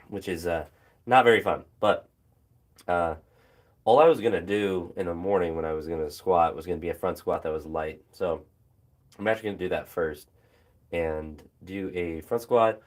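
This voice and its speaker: Young guy with a really low voice, hoarse and phlegmy, rambling about his workout, lots of ums. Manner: halting, many fillers and pauses. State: hoarse with phlegm, throat sore. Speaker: phys ed teacher. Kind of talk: casual vlog chat while training.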